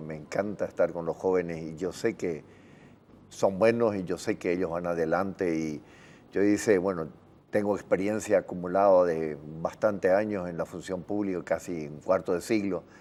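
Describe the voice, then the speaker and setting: A man's very deep, low voice with fairly even intonation, a moderate pace and big swings in loudness, on a very clean recording with a silent background. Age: 60s. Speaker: political candidate. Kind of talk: TV interview.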